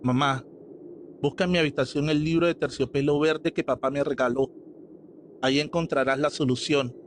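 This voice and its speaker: A man voicing the spirit of a dead father speaking through a medium in a horror story, earnest and gentle. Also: on the high side, steady tone, normal speed, a little hiss or hum, natural voice.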